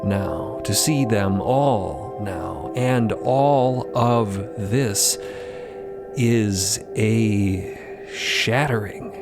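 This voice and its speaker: A man narrating scripted audio fiction dramatically, with hushed, halting, deliberate phrasing. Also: on the low side. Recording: prominent music bed under the voice. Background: music.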